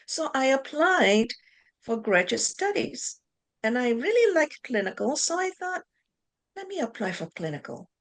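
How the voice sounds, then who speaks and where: A middle-aged woman from Malaysia, a psychology professor, introducing herself in a measured way on a video call from a home office. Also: high voice, very animated. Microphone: video call webcam.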